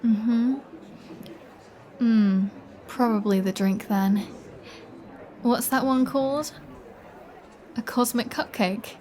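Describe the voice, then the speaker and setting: Female vampire played by a woman, unhurried delivery, flirty and sardonic, playfully bossy, for intimate roleplay audio drama. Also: a little high, fairly even intonation, a little mellow, some chatter behind. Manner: playful, teasing, dry, bossy.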